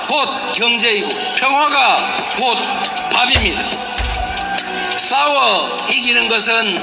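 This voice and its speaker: A man giving a political rally speech, roaring emphatically in rallying oratory with deliberate pauses. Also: very high voice, lively intonation, vocal fry. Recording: echoing speech over music.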